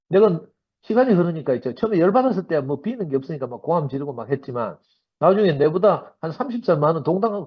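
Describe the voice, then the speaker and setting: Husky man with a Gyeongsang accent. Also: on the high side. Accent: Gyeongsang Korean. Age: 50s. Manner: lively anecdotal storytelling. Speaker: church member giving a talk. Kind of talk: sermon-style personal testimony. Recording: dull lo-fi recording.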